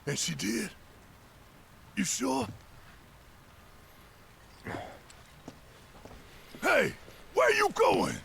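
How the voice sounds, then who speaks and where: An actor playing a big, gruff, hot-headed rebel father in a video game, forceful and emotional with a gravelly voice. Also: very high voice, wildly swooping pitch, slow, slight background noise, exaggerated voice. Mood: confused, urgent. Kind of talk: dramatic video game acting.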